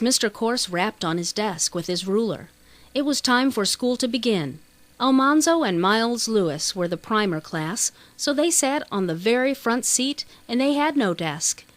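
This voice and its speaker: A woman's voice: fairly high pitch, no echo. A woman reading a children's novel as scripted audiobook narration.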